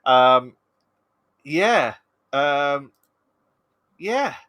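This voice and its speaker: A man with a Black Country accent from the English West Midlands chats as a podcast guest on a casual video call. His voice is fairly high, bright and forceful, swinging widely in pitch at a very slow pace, with no echo. He rambles and hesitates, full of fillers and restarts.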